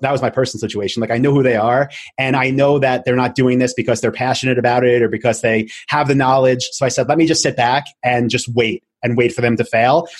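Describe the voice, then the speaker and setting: A man with an American accent speaks in a plain, everyday voice at a medium pitch. His loudness stays very even and his intonation fairly even. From Long Island, New York. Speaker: online business coach. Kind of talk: interview.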